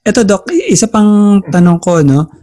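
A man's voice: high voice, lively intonation, moderate pace, mellow. A man with a Filipino accent in a casual chat, asking questions in a mix of Tagalog and English. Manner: mixes Tagalog and English mid-sentence.

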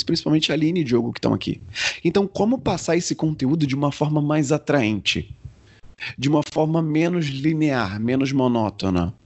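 A man coaching on communication as a podcast guest, explaining in a deliberate way and demonstrating changes in his own pitch and pace. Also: darkish tone, slightly rough.

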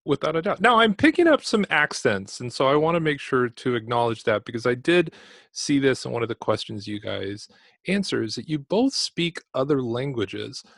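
A man's voice: mid-range voice, big pitch swings, moderate pace, vocal fry, fairly bright tone, no echo. Chatty male podcast host, dry sound. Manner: upbeat, chatty, conversational. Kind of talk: casual interview.

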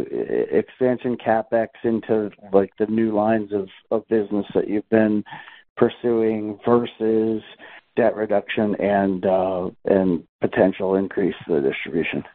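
Male analyst, fairly low voice, conversational and searching for wording, tinny telephone audio. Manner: halting, rephrasing as he goes. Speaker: financial analyst asking questions. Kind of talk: conversational earnings call questions. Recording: thin phone conference line.

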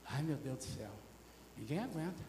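A man's voice: fairly high pitch, sing-song, normal speed, darkish tone, reverberant, long reverb tail, a little hiss or hum. A man voicing a weary Israelite man grumbling about the long desert journey. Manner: complaining, exasperated sighs.

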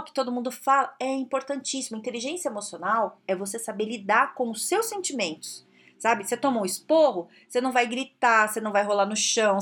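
Looking straight into the camera, a woman with a Brazilian Portuguese accent offers casual career advice in a mid-range voice. She's lively and direct, frequently ending her points with a question.

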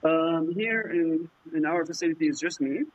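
Man, Arabic native speaker, from Jordan, slightly high, husky voice, fillers and restarts, dull lo-fi call audio. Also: dry recording. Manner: halting, many fillers and restarts. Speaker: startup founder, guest. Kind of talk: casual interview answers. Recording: muffled lo-fi remote audio.

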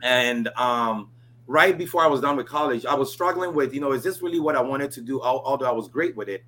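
A man in his forties from Ghana, a guest telling his life story in a relaxed interview, filling his talk with "you know" and "right?". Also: mid-range voice, a little fast, slight background noise, poor audio. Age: 40s.

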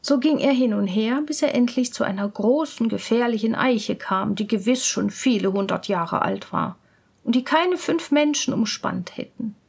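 A woman reading a fairy tale aloud in a slow, calm, even storytelling manner. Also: on the high side, gravelly, husky.

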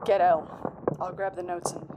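An actress playing a brisk, dry, tough female crook in a noir audio drama. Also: fairly low pitch, little pitch movement, heavy background noise, close to an everyday voice. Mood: dry urgency.

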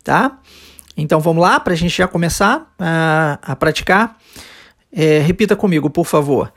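A teacher with a Brazilian Portuguese accent hosts an English lesson podcast, explaining step by step, checking in often with short tags and asking listeners to repeat phrases. The voice is medium-pitched, animated and a little slow.

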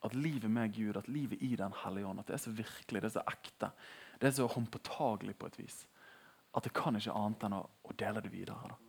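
A young man giving a casual, animated sermon in a conversational tone. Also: on the low side, gravelly, husky. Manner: conversational, animated, laughing at his own jokes. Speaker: preacher.

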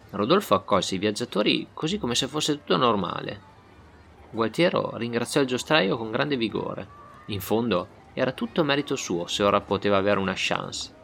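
A man's voice: lowish voice, creaky, fairly bright tone. A male storyteller narrating a crude, comic audio story in a wry tone.

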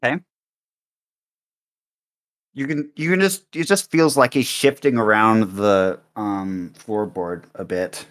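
A man's voice: lowish voice, slow pace, long pauses, fairly bright tone. A man narrating as game master in an improvised tabletop game, rambling with many ums and likes over a voice call.

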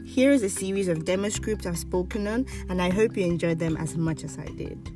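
Female voice-over artist, slightly low pitch, scripted promo read, distant mic, clear music bed. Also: a little fast.

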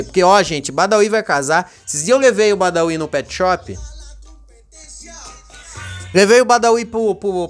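A man hosting a casual solo podcast, rambling and joking, swinging between low mumbles and excited high bursts. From Brazil. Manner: rambling, joking, addresses his dog as co-host. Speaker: podcast host.

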